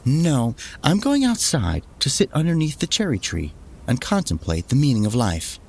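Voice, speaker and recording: A man's voice: medium pitch, huge pitch swings, moderate pace, darkish tone, slightly rough, voice pushed up, full character voice. A man voicing a kind, earnest, dreamy noble lady in a storybook tale, with a gracious manner. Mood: serene, wistful.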